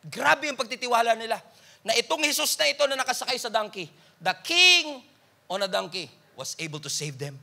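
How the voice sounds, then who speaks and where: Bright-voiced Filipino pastor preaching. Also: male voice, very high voice, big pitch swings, fairly quick, creaky. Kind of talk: sermon.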